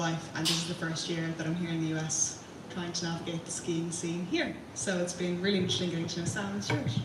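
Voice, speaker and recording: A woman with an Irish accent talks at a very fast pace, her fairly low voice monotone and flat. Noticeable background noise and audible room echo surround her. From Ireland. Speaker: tech founder and skier. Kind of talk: live panel discussion. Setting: live event with audience.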